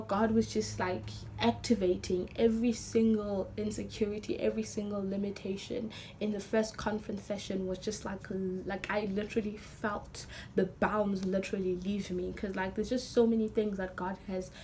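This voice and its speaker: Young woman, hoarse worn-out voice, mid pitch, rambling and excited, faint hiss. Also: moderate pace, rough recording. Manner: gushing, rambling, many fillers and restarts. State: lost voice, hoarse. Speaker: vlogger. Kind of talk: excited casual church vlog.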